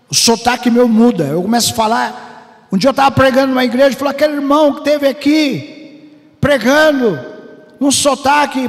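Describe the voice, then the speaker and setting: High-pitched fervent Pentecostal preacher man. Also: big-room sound. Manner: fervent, shouting bursts and sing-song preaching. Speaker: pastor. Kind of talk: Pentecostal sermon. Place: church hall.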